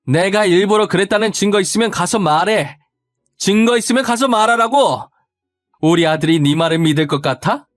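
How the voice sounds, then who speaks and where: A man voicing a domineering older mother-in-law who scolds and taunts in a shrill, yelling voice. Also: expressive, normal speed, no room sound, soft background music. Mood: taunting.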